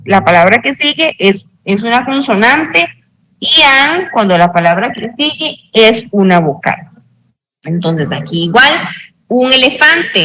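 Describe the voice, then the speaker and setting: Woman English teacher, bright voice, unhurried and patient, keeps checking in with the class. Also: mid-range voice, rough recording. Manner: slow, patient explaining with frequent check-ins. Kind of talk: online grammar tutoring in Spanish.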